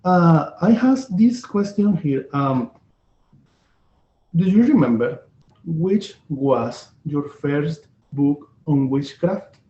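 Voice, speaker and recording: A man from Venezuela with a Venezuelan Spanish accent, hosting a casual interview and often halting to search for words. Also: on the high side, lively intonation, mellow. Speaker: host. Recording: echoey, dull lo-fi room sound.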